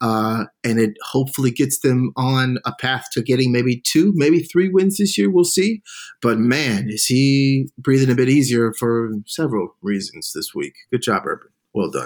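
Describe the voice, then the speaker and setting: A man with an American accent speaks at a medium pitch and a moderate pace, in an ordinary speaking voice. His intonation is lively, and the recording is very clean with a silent background. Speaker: podcast co-host. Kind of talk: casual chat.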